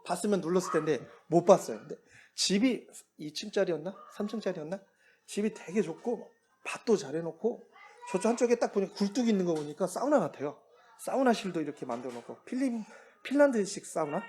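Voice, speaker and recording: A man preaching as a missionary, telling personal stories in a relaxed, conversational way with occasional chuckles. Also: fairly high pitch. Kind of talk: sermon storytelling.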